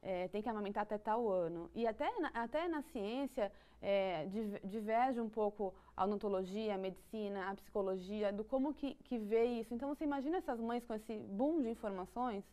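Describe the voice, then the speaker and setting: A woman's voice: medium pitch, a little fast, hardly any pauses, warm tone. A woman with a Brazilian Portuguese accent explaining psychology ideas in conversation, thoughtful, with frequent restarts and light laughs. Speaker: psychology guest.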